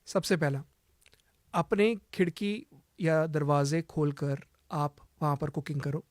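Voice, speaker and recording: A man with a fairly high voice gives emphatic health advice as a cancer healer. He hammers his warnings home by repeating them and slips English phrases into his Hindi. The sound is close and dry, with no room around it. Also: slow pace, dry recording. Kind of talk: advice-giving interview talk.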